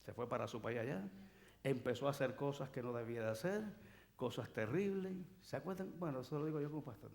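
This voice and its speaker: A man's voice: mid-range voice, fast talker, vocal fry. A man, a pastor preaching a sermon in church, telling stories and acting out the people in them. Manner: animated storytelling preacher, acts out dialogue. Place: church sanctuary.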